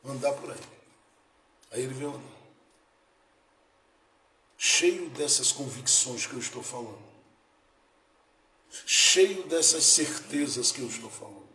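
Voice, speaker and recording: A male pastor preaching a sermon, moving between soft lines and loud, dramatic ones. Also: mid-range voice, lively intonation, a little slow, long pauses, a little hiss or hum. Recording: echoey room with faint ambience.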